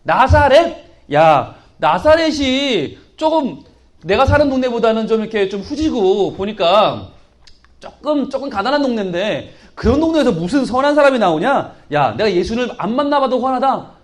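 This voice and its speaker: A man voicing a skeptical, dismissive young man in a children's Bible story, speaking in a lower, scoffing tone. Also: big pitch swings, normal speed. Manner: scoffing, sneering.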